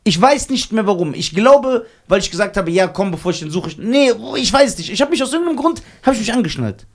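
A young man from Germany telling a story on a casual podcast, animated and laughing at himself as he acts out the voices of the people in it. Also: high-pitched, fast. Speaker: podcast co-host.

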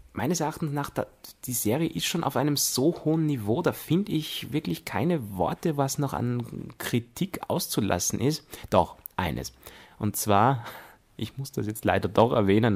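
A man with an Austrian accent giving a spoken review as a podcast reviewer, with emphatic, deliberate phrasing. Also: mid-range voice, a little mellow, husky. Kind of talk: spoken audio drama review.

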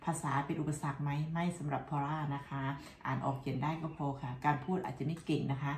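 A woman's voice: low voice, steady tone, quick pace, a little mellow, echoey room. A middle-aged woman from Thailand, chatting and laughing while cooking breakfast at home for her vlog. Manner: chatty and laughing, constant polite tag words. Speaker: cooking vlogger. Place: home kitchen, indoors.

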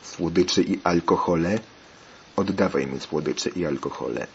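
A man voicing a stern, worried father who scolds his son, in a steady, insistent tone. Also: low voice, a little slow, dull audio, slight background noise. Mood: scolding.

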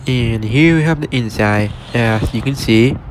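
Man narrating a low-key building walkthrough. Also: unhurried, a little hiss or hum. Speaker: vlogger touring empty buildings. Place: empty store and parking lot.

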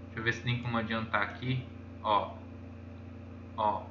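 Brazilian male YouTuber, casual rambling chart commentary, bright tone, roomy dull recording with faint noise. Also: on the low side, fairly even intonation, normal speed. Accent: Brazilian Portuguese. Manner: rambling, constantly saying "ó" while pointing at charts. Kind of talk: casual screen-share commentary. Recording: echoey room, dull lo-fi sound, faint noise.

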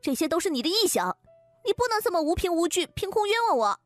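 A woman playing an anxious young wife in an audio drama, earnest and quick to protest. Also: very high voice, sing-song, no room sound, faint music behind. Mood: outraged. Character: anxious, indignant young wife, a clinic patient.

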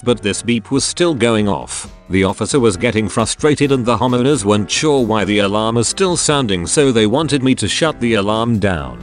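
Male narrator for read-aloud stories: low voice, very lively intonation, soft music under him. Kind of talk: scripted narration of online posts.

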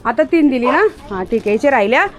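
A woman's voice: fairly high pitch, lively intonation, quick pace, noisy background. A woman, talking to her pet dog outdoors in a coaxing, repetitive, sing-song way. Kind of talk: casual coaxing talk to a dog.

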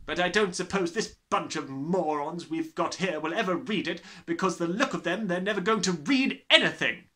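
A man voicing a harsh, sneering, bullying middle-aged headmistress in a children's storybook, with snapping, drawn-out emphasis. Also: high voice, expressive, sharp tone, pitched above the performer's own voice. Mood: scornful lecturing. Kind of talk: dramatised children's storybook reading.

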